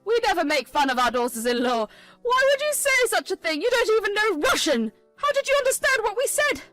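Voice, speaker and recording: Woman putting on a shrill panicky older mother-in-law, high and loud, begging. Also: big pitch swings, fairly quick, no room sound, faint music behind, exaggerated voice. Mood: indignant. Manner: indignant, pleading.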